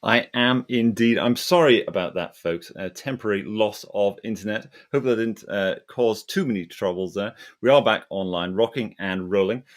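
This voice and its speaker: A man's voice: on the low side, moderate pace, few pauses. A man informally hosting an online financial discussion, with a wordy, roundabout way of putting things. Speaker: host.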